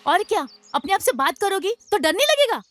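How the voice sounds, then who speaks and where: A woman dubbing a middle-aged mother in a film, shrill and scolding. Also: very animated, fairly quick, music in the background. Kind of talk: Hindi film dub. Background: film score.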